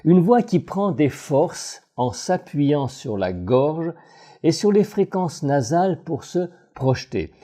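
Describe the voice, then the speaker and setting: Male voice coach, scripted analysis, very dark timbre, lively melodic delivery. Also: a little high. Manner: measured, analytical, expressive phrasing.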